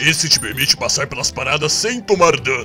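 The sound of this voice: A man performs a put-on character voice at a moderate pace. Clear music plays in the background.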